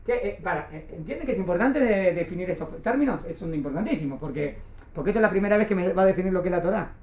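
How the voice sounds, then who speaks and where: A woman's voice: lowish voice, expressive, very fast, a little mellow. A woman teaching a class, explaining patiently and often checking that her students follow. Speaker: Torah teacher. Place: classroom with a small group. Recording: echoey classroom recording.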